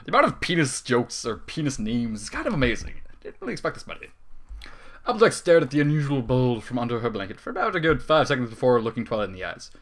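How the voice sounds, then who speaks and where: A man's voice: mid-range voice, sing-song, quick pace. A man narrating a comic story in an irreverent, theatrical, sweary manner, dropping in casual asides. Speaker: narrator reading fan fiction.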